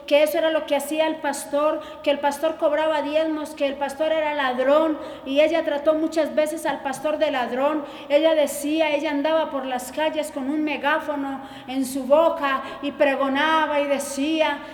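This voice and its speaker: A woman's voice: high voice, level tone, moderate pace, hardly any pauses. A woman giving an earnest, insistent sermon testimony. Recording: echoey hall reverb.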